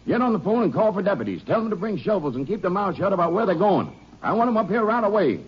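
An actor playing a gruff, commanding western sheriff with a husky voice in a 1950s radio drama. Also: male voice, sits high, big pitch swings, fast, over loud music. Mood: urgent, commanding. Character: gruff, commanding small-town western sheriff, quick to threaten. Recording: dull vintage radio recording.

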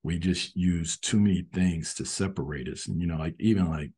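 A man's voice: sits low, moderate pace, warm tone, husky. A man rambling earnestly in a casual monologue, often saying "you know", as the host of a show about history. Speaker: host commenting on history videos.

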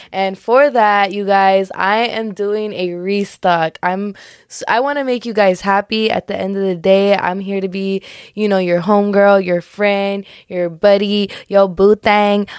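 A young woman hosting her podcast in a casual, slangy chat, her voice raspy today. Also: mid-range voice, darkish tone, no echo, studio quality. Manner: chatty, slangy, lots of fillers. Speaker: podcast host.

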